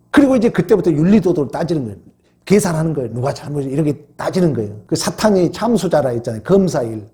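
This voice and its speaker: A male pastor preaching at a midweek Bible study, emphatic, swinging from raised exclamations to hushed, drawn-out solemn phrases. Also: on the high side.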